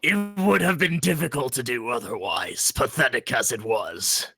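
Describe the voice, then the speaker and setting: A man voicing a huge, ferocious green dragon in an audio story, with a booming, gravelly dragon voice, disdainful and slow. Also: lightly acted. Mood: scornful taunting. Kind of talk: dramatic audio story acting.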